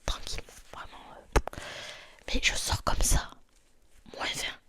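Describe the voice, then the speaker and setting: A woman's voice: slow, pushed and bright. A woman from France, whispering a chatty ASMR vlog outdoors in the freezing cold. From southern France. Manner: whispering throughout, chatty and self-deprecating. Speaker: vlogger.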